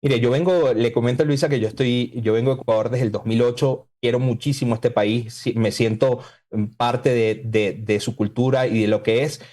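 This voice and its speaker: A man from Venezuela, a political spokesman, speaking forcefully and combatively as a guest in a radio interview. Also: mid-range voice, steady tone, moderate pace. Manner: forceful, combative political talk with emphatic lists.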